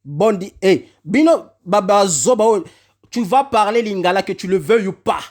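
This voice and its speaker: Brief: vlogger, male, high pitched, heated repetitive rant. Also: normal speed. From Congo. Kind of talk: angry rant to camera.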